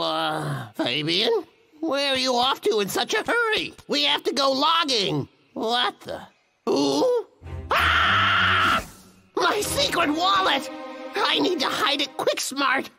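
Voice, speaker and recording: An actor voicing an excitable, grumbling adult male logger in an animated cartoon, whiny and theatrical. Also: high voice, slow, creaky, loud music behind the voice, exaggerated voice. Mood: agitated. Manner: exclamatory, whiny, theatrical muttering. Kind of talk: animated cartoon dub acting.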